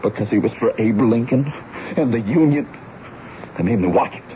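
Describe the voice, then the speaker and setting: A man's voice: medium pitch, expressive, close to an everyday voice. A man playing an earnest teenage runaway, old radio. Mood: sorrowful. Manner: emotional, imploring, halting. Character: earnest, pleading teenage boy, homeless Southern runaway. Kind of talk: 1970s radio drama acting. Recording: dull, noisy vintage radio broadcast.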